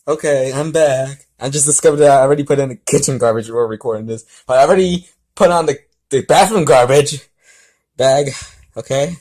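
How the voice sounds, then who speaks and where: A man in a casual, halting vlog style, rambling and restarting as he hosts a fan fiction reading. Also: mid-range voice, a little mellow.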